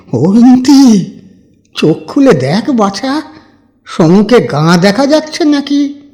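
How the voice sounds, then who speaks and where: Putting on a character voice, a man talks at a very slow pace with an extremely high pitch and very wide pitch swings. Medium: read story. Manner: superstitious, rambling.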